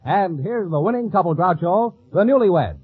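A man's voice: high-pitched, animated, normal speed, breathy edge, phone-quality sound, faint music behind. An American man working as a radio announcer, delivering scripted copy in 1940s style on an old recording.

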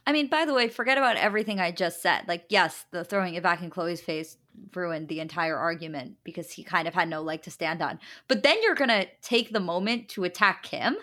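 A woman's voice: lowish voice, expressive, fairly quick, hardly any pauses, a bit bright. A woman co-hosting a podcast, giving opinions in casual chat with emphatic rhetorical questions. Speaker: podcast co-host.

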